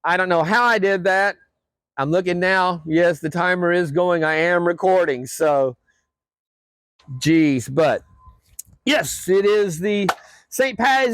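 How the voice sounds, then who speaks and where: A man hosting his own vlog, rambling in casual chat with many fillers and pauses, ranting opinions. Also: high voice, no room sound. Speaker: vlog host.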